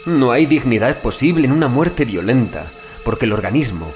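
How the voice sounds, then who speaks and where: A male narrator delivers a horror audiobook with dramatic gravity. His phrasing is deliberate and literary, and his pitch rises and falls widely around a medium register. Music plays clearly behind his voice. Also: animated, a little mellow. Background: background music.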